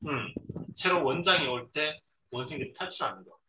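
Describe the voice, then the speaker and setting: A lively, bright-voiced father reading aloud. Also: fairly high pitch. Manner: reads a passage, then pauses to explain words simply to a child; acts out quoted lines in lively voices. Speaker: father reading a novel aloud to his son. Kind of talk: read-aloud with explanations. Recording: roomy echo, a bit far from the mic, faint noise.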